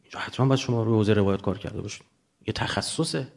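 A man's voice: fairly low pitch, creaky, darkish tone. A man with an Iranian Persian accent lecturing informally and emphatically, explaining through examples and rhetorical questions.

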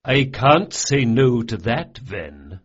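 A narrator voicing a wily middle-aged priest who runs a gang of young thieves, speaking deferentially, husky, on a dull lo-fi recording. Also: male voice, mid-range voice, sing-song, slow pace, exaggerated voice. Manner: deferential, sly.

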